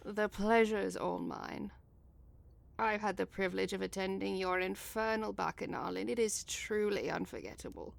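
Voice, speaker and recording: A woman's voice: medium pitch, normal speed, creaky. A woman playing a haughty, bloodthirsty vampire daughter in an audio drama, sardonic and formal. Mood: haughty amusement.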